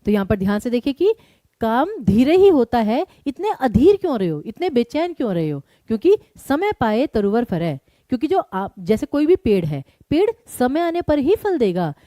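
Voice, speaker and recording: A woman teaching an online exam-prep lesson, quizzing her students and explaining each answer briskly. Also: fairly high pitch, very animated, warm tone, no room sound, clean studio sound.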